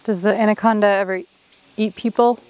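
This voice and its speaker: A woman's voice: medium pitch, fairly even intonation, brisk, darkish tone. A young woman vlogging on a trip through the rainforest, chatty and playful, poking fun at herself. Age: young adult. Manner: chatty, playful, self-mocking. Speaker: travel vlogger. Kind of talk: casual travel vlog. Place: outdoors in a rainforest. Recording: noisy outdoor jungle recording. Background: insects and jungle ambience.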